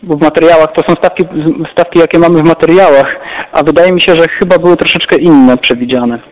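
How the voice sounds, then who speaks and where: A man with a fairly high, flat voice runs a council session in a brisk, formal, polite way. His voice rings with a long reverb in a big chamber. The sound is dull and lo-fi. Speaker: council chairman. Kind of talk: formal procedural meeting chairing.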